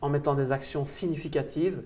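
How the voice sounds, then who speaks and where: A man's voice: fairly high pitch, fairly even intonation, brisk, a little mellow. Enthusiastic male interview host. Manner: enthusiastic, lots of praise and interjections. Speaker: host and coach.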